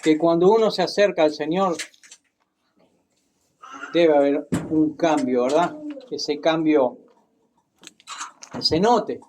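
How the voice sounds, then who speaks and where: A man preaches at an unhurried, measured pace. He keeps checking in with his congregation and lifts into dramatic emphasis when he reads from the Bible. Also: fairly high pitch, background noise. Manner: deliberate, tag questions, dramatic Bible reading. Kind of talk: sermon.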